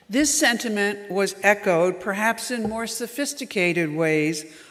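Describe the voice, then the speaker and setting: A woman with an American accent at a medium pitch, fairly slow and with lively intonation, amid noticeable background noise and audible room echo. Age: 70s. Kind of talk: conference talk. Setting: conference round table. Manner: formal.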